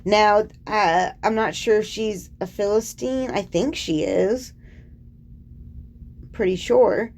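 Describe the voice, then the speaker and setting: A woman's voice: mid-range voice, slow pace, a little mellow. A young woman hosting a casual scripture commentary, chatty and sarcastic, filling her talk with "like.". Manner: chatty and sarcastic, heavy use of "like". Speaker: host.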